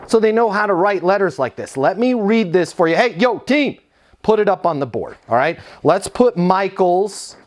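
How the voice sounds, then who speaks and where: A man who founded a sales training company, giving energetic, emphatic career advice straight to the camera. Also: fairly high pitch. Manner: energetic, emphatic, punchy coaching delivery. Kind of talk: direct-to-camera advice video.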